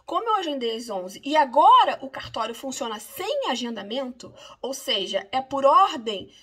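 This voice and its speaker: A woman's voice: high-pitched, big pitch swings, normal speed, fairly bright tone, slightly rough. A Brazilian woman lawyer with a Brazilian Portuguese accent, recounting something that happened to her in an indignant, emphatic way. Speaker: immigration lawyer. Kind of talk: casual first-person account.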